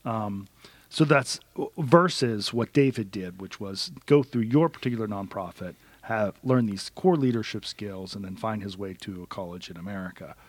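A man with an unremarkable speaking voice speaks at a moderate pace and a fairly low pitch. His loudness swings widely. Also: lively intonation. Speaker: podcast host. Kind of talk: interview. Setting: studio.

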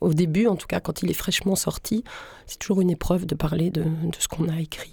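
Somewhat breathy and dark, mellow in tone, a woman's voice sits at medium pitch with ordinary pitch variation. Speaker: novelist. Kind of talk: interview. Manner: halting.

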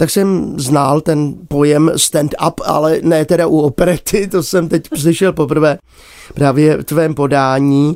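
A man speaks very slowly, his fairly high voice held to a fairly even intonation. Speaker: radio host. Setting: radio studio.

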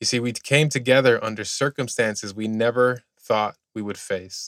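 A man's medium-pitched, monotone, flat delivery at a moderate pace, with a dry, close sound with no echo and a very clean recording over a silent background. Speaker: executive coach and podcast host. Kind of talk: scripted narration mixed with interview.

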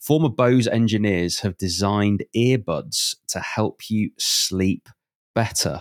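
A fairly low-pitched male voice at a very slow pace, ordinary pitch variation, dry, close sound with no echo, very clean recording with a silent background. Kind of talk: casual chat. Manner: animated.

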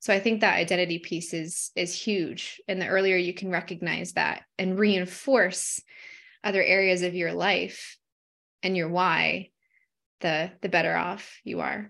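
A bright, sharp voice with vocal fry and an American accent speaks at a fairly slow pace with fairly even intonation on a very clean recording with a silent background. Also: woman, medium pitch for a woman. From Montana, US. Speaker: mental performance coach. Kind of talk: interview conversation.

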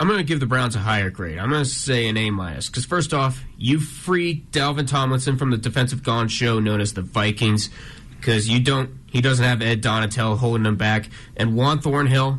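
At a moderate pace, the speaker has an unremarkable speaking voice with ordinary pitch variation. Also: man. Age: 20s. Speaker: college radio sports co-host. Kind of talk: casual sports talk.

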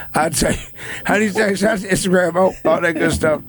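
A man speaks fairly quickly while noticeable background noise continues around him. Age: 30s. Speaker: radio host and DJ. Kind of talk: casual chat. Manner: animated.

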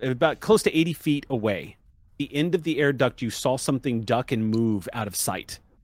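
In a plain, everyday voice, a man speaks at medium pitch and a fairly quick pace with lively intonation. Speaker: game master. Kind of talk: tabletop role-play live stream. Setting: live stream.

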